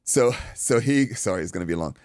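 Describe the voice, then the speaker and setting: Gravelly low-voiced man telling a story. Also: a little fast, no room sound, studio quality. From Iraq. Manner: animated, acts out quotes, swears freely. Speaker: guest, boxing coach. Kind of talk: casual storytelling.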